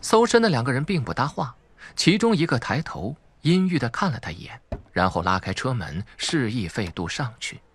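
Animated male suspense audiobook narrator. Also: medium pitch, normal speed, a little hiss or hum. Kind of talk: dramatic scripted narration of suspense fiction.

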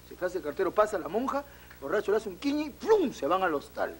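A man's voice: sits high, very animated, fast talker, slight background noise. A man comedian hosting and telling jokes in a playful way, acting out characters. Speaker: comedian host. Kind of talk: stand-up joke telling.

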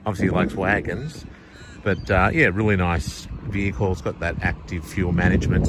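A man's voice: sits low, noisy background. A man, hosting a casual car vlog and rambling with plenty of fillers, recorded on a phone in a car. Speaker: vlog host. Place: inside a parked car.

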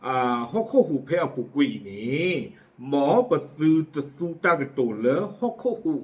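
He has a medium-pitched voice with lively intonation and a moderate pace. Presenting community news informally, he drifts into asides and leans on fillers throughout this casual spoken commentary.

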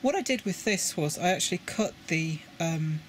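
A man's voice: a little high, expressive, normal speed, slight background noise. A British man explaining his model railway coach lighting work in a casual tutorial, often repeating words as he handles the parts. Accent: British English. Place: indoors at a table with a model railway.

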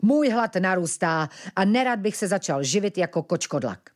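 Woman doing Bergman, a brisk big bear. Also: medium pitch, lively intonation, natural voice. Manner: brisk and firm. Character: big male bear, good-humoured and hungry.

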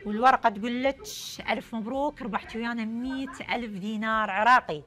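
She's a young Iraqi woman hosting a lively TV call-in game show, speaking Iraqi-accented Arabic in a studio with background music. A fast talker with a slightly high, bit-bright voice, she comes across playful and effusive, often saying her phrases again.

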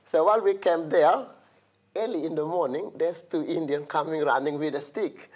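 Middle-aged man, studio interview guest, animated storyteller, slightly high voice. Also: moderate pace, slightly rough. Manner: animated storyteller who acts out quoted voices, laughs often. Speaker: guest, musician. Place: TV studio, indoors. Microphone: studio mic, seated interview.

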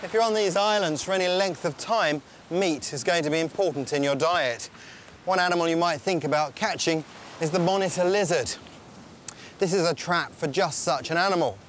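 A man presenting a survival documentary outdoors on a tropical island. He calmly explains and demonstrates each step. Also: fairly high pitch, moderate pace, a little hiss or hum. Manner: calm, explanatory, tells and shows step by step. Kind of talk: documentary narration and on-location demonstration.

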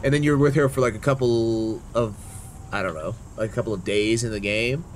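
A man's voice: fairly low pitch, fairly even intonation, fairly quick, slight background noise. A man in his thirties coaching a friend through a game with bossy, teasing, swear-heavy casual banter.

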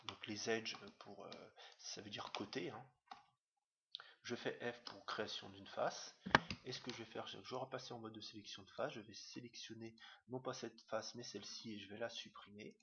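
A man teaching a screen-recorded software tutorial, talking fast and hesitantly with many fillers. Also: fairly low pitch, fairly even intonation. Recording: dull lo-fi mic with faint hiss.

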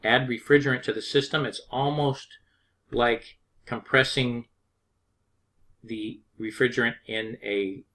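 A man teaching an HVAC lesson over sketched diagrams. He speaks at a middling pitch, calm and unhurried, and often restarts his sentences as he works through each point. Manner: plain, unhurried, with frequent restarts. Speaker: HVAC instructor. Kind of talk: explaining over drawn diagrams.

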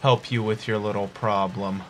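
A man's voice: fairly low pitch, normal speed. A young man giving playful, exasperated commentary while he plays a video game. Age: young adult. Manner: animated, exasperated banter. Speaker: gamer, video creator. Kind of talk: gameplay commentary with playful reactions. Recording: game music behind the voice. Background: loud game music.

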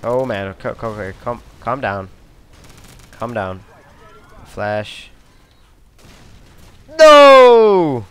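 A young man from Sweden narrates his own match as he plays, breaking into sudden outbursts and swearing often. His pitch jumps around lively, and his voice comes through smooth and clear. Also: very slow, pauses often. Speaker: gameplay commentator. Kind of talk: live gameplay commentary.

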